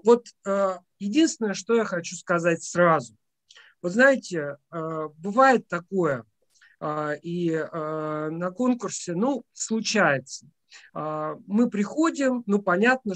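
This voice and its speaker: Higher-pitched man, halting explanatory talk. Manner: hesitant, halting, with frequent drawn-out filler pauses. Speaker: education academic briefing teacher contest finalists. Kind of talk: semi-formal explanatory briefing, unscripted speech.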